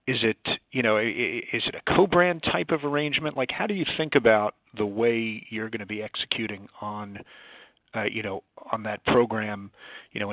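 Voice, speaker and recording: Gravelly male analyst on a dull line. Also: medium pitch, no echo. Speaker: financial analyst asking questions. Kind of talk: spoken question on an earnings call. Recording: dry, dull phone line.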